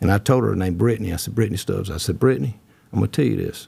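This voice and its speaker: A man speaks in a South Carolina accent. His voice has vocal fry. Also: very clean recording, silent background. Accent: US Southern (South Carolina). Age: 60s. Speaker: business executive. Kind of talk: interview. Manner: animated.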